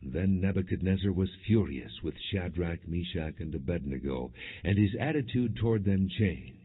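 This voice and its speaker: A man narrating scripture from a script as an audiobook, in a measured, solemn manner. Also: sits low, husky. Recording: dull, muffled lo-fi audio.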